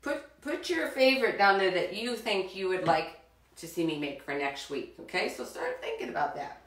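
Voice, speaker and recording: A woman's voice: mid-range voice, animated, moderate pace, a bit bright. Chatty woman in a roomy kitchen. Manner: chatty and encouraging, talks straight to kids. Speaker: cooking show host for children. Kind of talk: live cooking demonstration. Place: home kitchen. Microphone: far camera. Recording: roomy kitchen sound from a distance.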